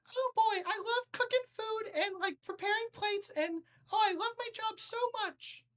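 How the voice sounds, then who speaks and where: The voice is a put-on character voice with extremely high pitch. It moves at a moderate pace. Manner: cheerful, chipper.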